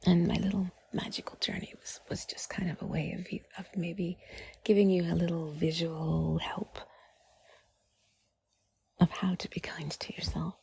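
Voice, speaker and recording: A woman giving intimate whispered comfort talk, soothing and gently reassuring, in a breathy, husky whisper with drawn-out pauses. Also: lowish voice, level tone. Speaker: audio creator speaking to the listener.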